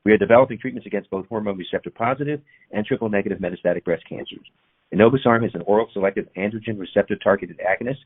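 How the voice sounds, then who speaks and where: A man with a lowish voice reads a prepared corporate update at a brisk clip. His delivery is formal and technical, like an executive addressing investors. The audio is dull and band-limited, as on a conference call. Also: breathy edge. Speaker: company executive presenting on an earnings call. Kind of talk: scripted corporate presentation read aloud.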